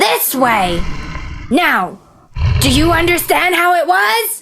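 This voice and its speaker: This is a growling, put-on character voice. The pace is fairly slow. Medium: read story. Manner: commanding, gruff.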